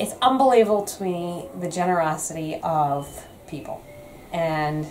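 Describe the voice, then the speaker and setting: Light background noise is heard as a woman talks. Her pitch is very deep and low, with ordinary variation. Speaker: family vlogger. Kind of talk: casual vlog chat. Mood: grateful and warm. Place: home room. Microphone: camera far.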